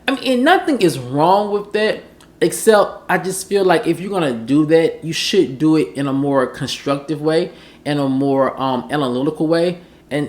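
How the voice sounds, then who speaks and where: A gossip show host giving opinionated celebrity commentary in a conversational way with emphatic phrasing. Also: medium pitch. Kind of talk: celebrity gossip commentary, part read, part off the cuff.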